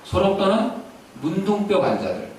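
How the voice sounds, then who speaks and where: Male pastor, lively storytelling sermon, distant mic, faint hiss. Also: sits high, normal speed, heavy reverb. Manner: animated storytelling preacher. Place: church sanctuary.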